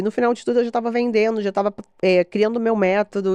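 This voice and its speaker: A woman with a Rio de Janeiro accent speaks at a fairly quick pace in a dark, mellow tone, fairly high in pitch with ordinary pitch variation, in a dry, close sound with no echo and a quiet background. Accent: carioca. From Rio de Janeiro, Brazil (Barra da Tijuca). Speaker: entrepreneur, events and branding professional. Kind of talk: podcast interview.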